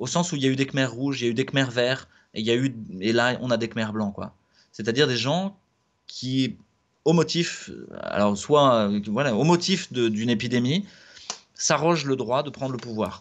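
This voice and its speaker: A man at a moderate pace, with ordinary pitch variation, long, frequent pauses and a quiet background. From France. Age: 40s. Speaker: doctor; interview guest. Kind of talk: interview. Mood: animated, argumentative. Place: home room. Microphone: video call.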